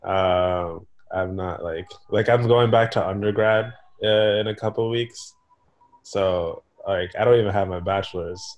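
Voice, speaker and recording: A young man in his twenties chatting casually as a guest. He hesitates often, filling gaps with ums and letting phrases trail off. His voice sits somewhat low. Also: a little slow, a little mellow. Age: 20s. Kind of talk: casual chat.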